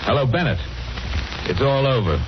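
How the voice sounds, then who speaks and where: An actor playing a brisk, no-nonsense, commanding schemer in an old-time radio mystery. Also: male voice, mid-range voice, lively intonation, heavy background noise, natural voice. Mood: cool authority. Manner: urgent, firm, no-nonsense. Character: brisk, commanding male schemer posing as anxious ally. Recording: muffled old radio broadcast, loud music.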